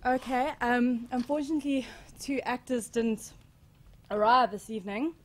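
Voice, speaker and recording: A woman's voice: on the high side, fairly even intonation, moderate pace. A woman speaking as a director, giving a live spoken introduction to an audience.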